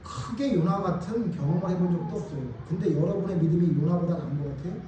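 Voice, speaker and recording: A man's voice: high-pitched, fast talker, warm tone, muffled recording. A male pastor preaching a sermon, speaking emphatically and firing rhetorical questions at the congregation. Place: church sanctuary. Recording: echoey church hall, distant mic, faint room noise.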